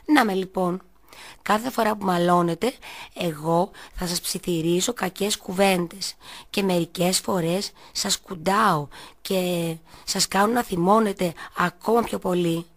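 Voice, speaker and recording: A woman's voice: lowish voice, steady tone. A woman voicing a mischievous invisible imp that whispers nasty words and snickers. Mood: sly teasing.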